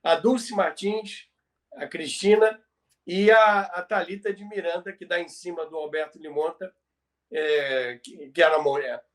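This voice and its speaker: High-pitched Brazilian man telling a story. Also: fairly even intonation, a bit bright. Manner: halting, repeats words for emphasis. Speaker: podcast co-host. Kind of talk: conversational storytelling about radio history.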